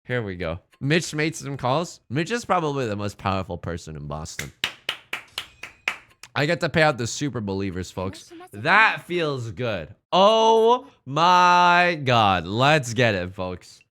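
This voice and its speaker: A man's voice: medium pitch, big pitch swings, pushed and bright. A young man, a streamer whose first language is Mandarin, joking and swearing casually with his chat while playing a game, exhausted from a long day. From born in China, raised in the United States. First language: Mandarin Chinese. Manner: quick, joking and profane, talking to chat. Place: home streaming setup.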